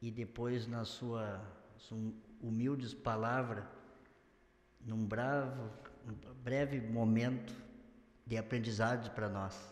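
At a very slow pace with long, frequent pauses, the voice keeps a fairly even intonation amid audible room echo. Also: man, medium pitch for a man. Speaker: council president. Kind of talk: formal ceremonial speech. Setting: council chamber with audience. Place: hall. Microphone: podium.

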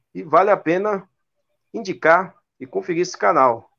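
A man is speaking. His pace is fairly slow. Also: quiet background. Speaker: rock music commentator. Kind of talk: casual chat.

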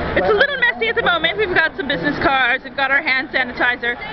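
A high-pitched woman talks at a very fast pace with very wide pitch swings. Crowd noise fills the background. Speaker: audio drama group member. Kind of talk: casual talk to camera. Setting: convention floor. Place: hall. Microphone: phone near.

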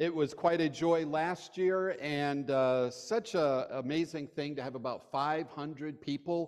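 A man talks fairly slowly, and the background around him is quiet. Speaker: pastor. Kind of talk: church announcements. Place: church. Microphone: podium.

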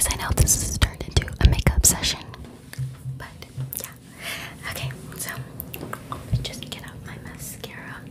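Loud background noise sits behind a woman speaking at a moderate pace. She leaves long, frequent pauses. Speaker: ASMR creator. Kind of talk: soft casual ASMR chat. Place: home room. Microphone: studio mic.

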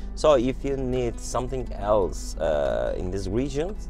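The speech moves at a fairly slow pace over clear background music. The sound is dry with no echo. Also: man. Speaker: real estate agent vlogger. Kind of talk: casual vlog chat. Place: car. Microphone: lapel.

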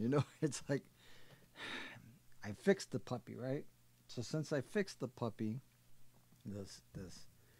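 A man speaks at a fairly slow pace with long, frequent pauses. His dark, mellow tone is somewhat breathy, and his intonation is lively. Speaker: guitar amp hobbyist. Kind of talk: casual talk to camera. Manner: low volume, mic lowered; rambling, profane. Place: home room.

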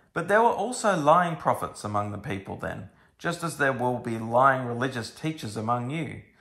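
Lively intonation at a moderate pace, in a bright, sharp tone with an Australian accent. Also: man. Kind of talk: audio Bible reading.

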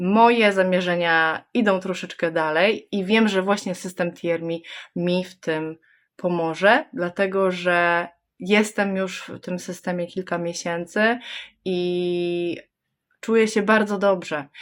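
On a very clean recording with a silent background, a woman at a medium pitch speaks at a very slow pace with fairly even intonation and big swings in loudness. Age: 30s. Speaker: network marketing distributor, mother of three. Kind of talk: testimonial.

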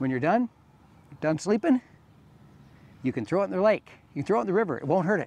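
Lively intonation marks this man's voice, recorded dry with no echo. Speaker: company founder demonstrating product. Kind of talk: product demonstration talk. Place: open country.

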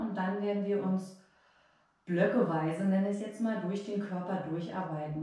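This woman talks at a moderate pace. Strong room echo surrounds her voice. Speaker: fitness instructor. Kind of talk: workout instruction. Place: home room. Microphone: camera far.

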